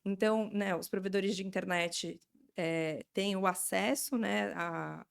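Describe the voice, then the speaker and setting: A woman's voice: mid-range voice, fairly even intonation, unhurried, creaky, clear, resonant tone. A woman in her forties with a Brazilian Portuguese accent, explaining things informally as an interview guest. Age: 40s. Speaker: interview guest, education NGO representative.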